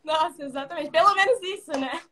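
Bright high young woman hosting a video chat. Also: a little hiss or hum. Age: young adult. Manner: quick agreeing, lots of fillers. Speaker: host. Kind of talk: casual live video chat. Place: home room, indoors. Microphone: video call.

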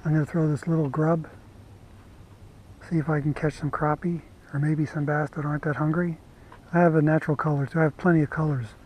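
A man casually narrating his fishing trip from a kayak, talking to the camera in a relaxed, chatty way. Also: a little high, brisk, a little hiss or hum, low-quality recording. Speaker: fishing vlogger. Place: kayak on a lake outdoors. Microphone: head-mounted action camera.

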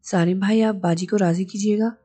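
A woman's voice: medium pitch, steady tone, fairly quick, warm tone, breathy edge, faint music behind, natural voice. A woman voicing an anxious younger brother on a phone call, with pleading, earnest delivery.

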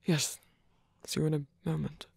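Wounded male villain for ASMR roleplay, acted by a man: breathy, creaky, halting, tender and flustered. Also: a little high, little pitch movement, darkish tone, no echo. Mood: flustered, fond. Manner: halting, murmured, formal phrasing.

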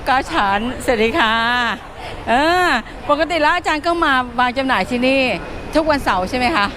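Hosting a walk-around vlog at an outdoor plant market, a woman with a high, animated voice chats with vendors at normal speed. She exclaims often and repeats their answers for viewers, with a busy crowd and street noise all around.

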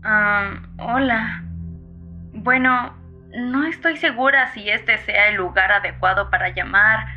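A woman's voice: mid-range voice, takes it slowly, natural voice. A young woman playing a nervous, chatty emergency caller in an audio horror drama, hesitant and rambling. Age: young adult. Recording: muffled lo-fi phone-call sound over music.

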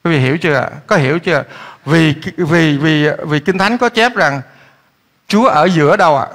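Bright-voiced man preaching in echoey hall. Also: a little high, moderate pace. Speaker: pastor. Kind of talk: sermon. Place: church hall.

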